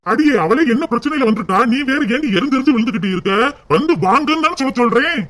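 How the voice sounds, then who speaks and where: A pleading, emotional husband in a cartoon, voiced by a man. His voice runs high for a man and he talks fast. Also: lively intonation, a bit bright. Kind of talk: cartoon voice acting.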